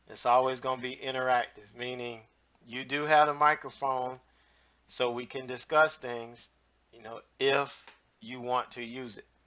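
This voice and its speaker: A man's medium-pitched voice in a Southern US accent at a moderate pace, with monotone, flat intonation. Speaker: day trading teacher. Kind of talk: class excerpt, informal lecture. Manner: casual, conversational with fillers.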